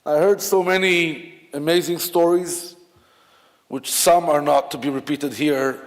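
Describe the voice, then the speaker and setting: Slow Israeli man in a reverberant hall. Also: fairly high pitch, fairly even intonation. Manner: halting, reflective, many fillers and restarts. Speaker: officiant at a memorial service. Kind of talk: memorial eulogy.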